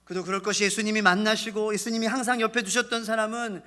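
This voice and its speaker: A man's voice: high voice, little pitch movement, fast talker, bright, forceful tone. A male pastor delivering a sermon with emphatic, repetitive preaching and acted quotes. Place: church sanctuary. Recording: long church hall reverb.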